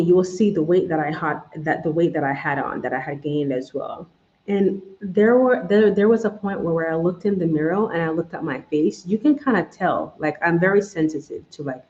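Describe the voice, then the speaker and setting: A woman's voice: lowish voice, a little mellow. A woman with a Jamaican accent hosting a live stream, rambling and correcting herself as she talks straight to her viewers. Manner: rambling, self-correcting, addresses viewers directly. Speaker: channel host doing a live Q&A. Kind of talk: casual live-stream chat. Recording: echoey room, slightly dull sound.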